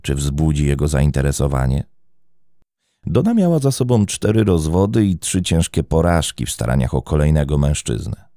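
A man's voice: rumbling low, normal speed, no echo, clean studio sound. A man narrating a true crime story in a scripted, theatrical storytelling style. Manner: expressive, theatrical storytelling delivery.

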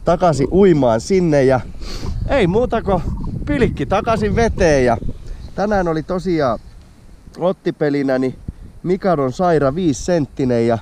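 A man's voice: on the high side, expressive, dark tone, a little hiss or hum. A man in his thirties hosting a fishing vlog, talking in an enthusiastic, chatty way on a frozen lake and later at a kitchen table. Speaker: fishing channel host. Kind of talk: casual on-camera chat. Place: outdoors on a frozen lake, then an indoor kitchen.

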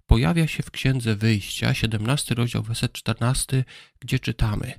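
Man, presenter of a history program, calm explanatory delivery, spells letters slowly, gravelly tone. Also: medium pitch, no echo, studio quality. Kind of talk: scripted educational narration.

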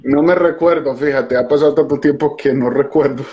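A man's voice: medium pitch, steady tone, a little fast, dark tone, a little hiss or hum. A young man with a Colombian accent, guest on a casual video chat, easygoing and self-mocking. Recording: dull muffled phone audio.

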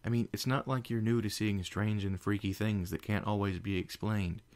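A man voicing an excitable young male baby dragon in a fan story reading. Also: fairly low pitch, normal speed, lightly acted. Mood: pleading. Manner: agitated, yelling.

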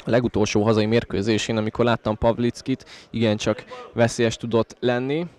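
A man's voice: medium pitch, flat delivery, a little mellow. A man with a Hungarian accent giving conversational live football commentary for the home team. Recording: outdoor stadium with crowd noise. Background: football crowd outdoors.

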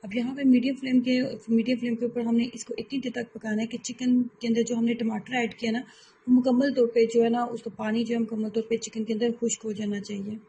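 Flat, mellow-voiced woman cooking host. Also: a little high, a little fast, slight background noise, poor audio. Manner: steady, explanatory, repeats steps. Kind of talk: recipe voice-over tutorial.

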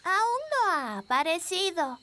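A woman's voice: very high-pitched, big pitch swings, a little slow, very noisy, heavily acted. A woman voicing a sweet, eager little fairy princess girl in a Latin American Spanish cartoon dub, childlike and earnest. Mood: cheerful.

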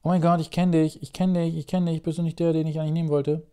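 A man's voice: fairly high pitch, level tone, fast talker, warm tone, clear, resonant tone. A man chatting and joking in a self-mocking way as he comments on a video game. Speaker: let's play commentator. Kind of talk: casual gameplay commentary.

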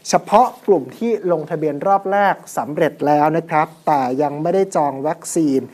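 A man co-hosting a news show, explaining the news in a calm, conversational way. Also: fairly high pitch, a little fast.

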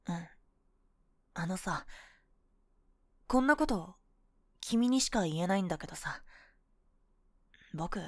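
A woman voicing a cool, boyish young woman, a possessive and sweetly manipulative lover, in an ASMR role-play of intimate pillow talk, soft, breathy and coaxing, close to the microphone. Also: medium pitch, no room sound. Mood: coaxing, confiding. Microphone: close microphone, dry.

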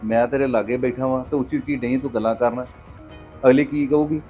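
A middle-aged man playing a patient farmer father who gives calm advice. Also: medium pitch, lightly acted. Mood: advising. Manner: calm, advising, measured. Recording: dull lo-fi sound with faint music.

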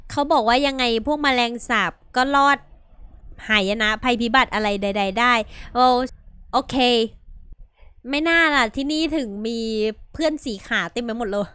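A woman hosting a casual gameplay video, chatty and playful, talking straight to her viewers with quick exclamations. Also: on the high side, sharp tone, clear, resonant tone, no echo. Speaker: gaming video host. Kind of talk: casual let's-play commentary.

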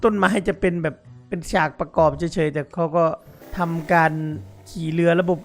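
A man giving excited game commentary to his viewers, exclaiming and laughing often. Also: on the high side, moderate pace, gravelly, faint music behind. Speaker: gaming YouTuber.

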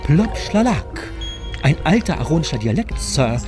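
A man's voice: on the high side, sing-song, a little slow, over music. A man playing a fussy, literal-minded android servant in a comedy audio drama, formal and pedantic in manner. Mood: pedantic, polite.

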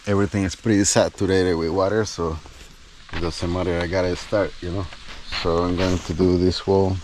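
A man's voice: low voice, level tone, moderate pace, background noise. A man talking casually to viewers while he works outdoors, thinking aloud in short, trailing phrases. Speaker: outdoor bushcraft video host. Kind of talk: casual talk while working. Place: outdoors at a building site.

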